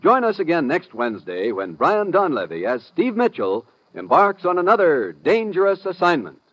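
A man's voice: fairly high pitch, very animated, normal speed, dry recording. An American man reading scripted announcements for a 1950s radio drama. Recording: muffled vintage radio recording.

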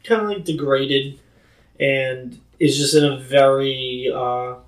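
Male co-host, eager and loose delivery, mid-range pitch, echoey recording. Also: fairly even intonation, takes it slowly. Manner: loose, enthusiastic, heavy use of "like". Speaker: book discussion co-host. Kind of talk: casual chat.

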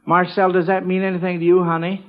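High-voiced, folksy old-time radio quizmaster. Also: male voice, little pitch movement. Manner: halting, folksy, with many stammered false starts. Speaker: quiz show host. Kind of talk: 1940s radio quiz show hosting. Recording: muffled, noisy old radio broadcast.

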